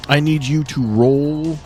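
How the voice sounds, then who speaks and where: Man game master with faint music behind. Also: fairly high pitch. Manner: conversational, second-person narration. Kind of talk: running a tabletop roleplay game, narrating and explaining rules.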